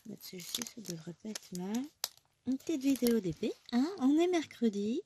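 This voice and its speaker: A crafting vlogger in her thirties, who has a cold, chats casually at home while stitching, rambling and correcting herself as she goes. Her fairly high, dark-toned voice swings widely in pitch at a normal speed, recorded on a nearby phone with slight background noise.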